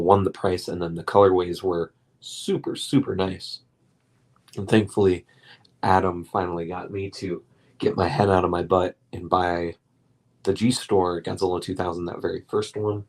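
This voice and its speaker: Young male stream host, deep voice, casual late-night rambling full of ums, slightly hoarse. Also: little pitch movement, normal speed, a little mellow. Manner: rambling, many ums and restarts. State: voice getting hoarse. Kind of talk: relaxed late-night collector chat.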